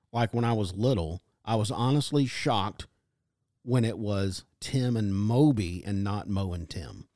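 A man's voice: lowish voice, mellow, dry recording. A man co-hosting a casual podcast, stumbling through listener messages and joking that he can't read. His voice rises and falls a lot as he goes. The sound is dry and close. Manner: reads haltingly, jokes about being unable to read. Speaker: podcast co-host. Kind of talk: casual chat reading listener comments.

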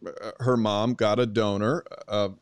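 A man's voice: fairly low pitch, fairly even intonation, a little slow, clean tone, no room sound. A man hosting a casual interview, joking loosely and using many fillers. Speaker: radio show host.

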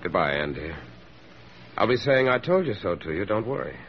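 An actor playing a teasing, affectionate young army lieutenant in a 1940s radio drama, on a dull old radio recording with faint hiss. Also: male voice, fairly low pitch, sing-song, normal speed. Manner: teasing, gentle.

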